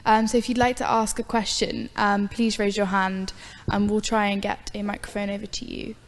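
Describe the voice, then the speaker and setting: Polite woman moderator with a flat voice. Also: medium pitch, normal speed. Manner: polite, hesitant, with many ums. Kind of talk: hosting a Q and A. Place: lecture hall. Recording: hall reverb with faint noise.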